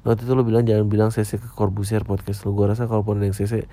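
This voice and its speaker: A man's voice: on the low side, flat delivery, very fast, dark tone. A man, hosting a podcast and answering listener emails in blunt, offhand, slangy replies. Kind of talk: casual podcast chat.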